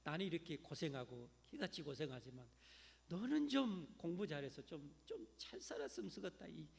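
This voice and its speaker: Pastor playing a scolding, pleading mom, gravelly voice, echoey church hall. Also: male voice, fairly high pitch, sing-song, moderate pace. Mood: nagging. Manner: nagging, pleading. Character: exasperated scolding mother of a lazy son.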